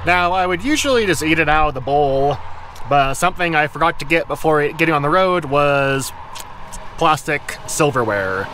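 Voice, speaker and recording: A man with a slightly high voice chats easily as he vlogs, cooking a meal at his truck camper and then strolling through town. He talks in a loose, relaxed way and stops to fix his own words. Faint outdoor sounds and a passing vehicle sit quietly behind him. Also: normal speed, a little hiss or hum. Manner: relaxed, chatty, self-correcting. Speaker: travel vlogger. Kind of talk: casual vlog narration.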